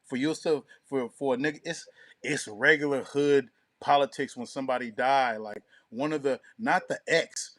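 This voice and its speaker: Male co-host, mid-pitched, casual and profane, slangy, acts out quotes, recorded very dry. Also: moderate pace, fairly bright tone, dry recording. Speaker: podcast co-host. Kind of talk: casual chat.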